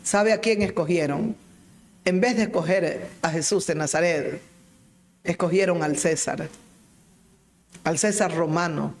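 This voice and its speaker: A woman's voice: fairly low pitch, measured pace, pauses often, a little hiss or hum. A woman evangelist hosting a radio program, preaching a sermon with passion and speaking directly to her listeners.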